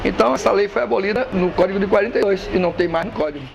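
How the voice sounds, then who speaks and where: A capoeira master with a high, rapid-fire voice and vocal fry gives a casual interview, emphatic and blunt and swearing freely. The recording is muffled, with street traffic noise behind him.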